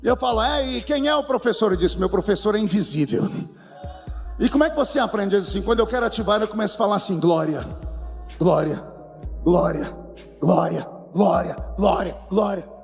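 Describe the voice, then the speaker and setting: A man preaching a testimony sermon, telling the story in a lively way, mimicking voices and breaking into song. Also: high-pitched, fairly quick, vocal fry, big-room sound, soft background music. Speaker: pastor. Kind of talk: sermon testimony with acted dialogue.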